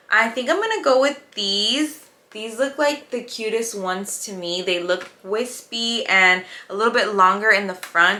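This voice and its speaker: A woman with an American accent in an upbeat tone, with ordinary pitch variation, over noticeable background noise. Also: fairly high pitch for a woman, moderate pace. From Houston, Texas. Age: 30s. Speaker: beauty and lifestyle vlogger. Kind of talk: casual makeup tutorial talk to camera. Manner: upbeat, chatty.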